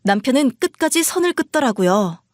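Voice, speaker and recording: A woman recounts her own story in first person with a steady, plain delivery. Her voice sits a little high for a woman. The recording is dry and close, with no room sound. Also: brisk, dry recording.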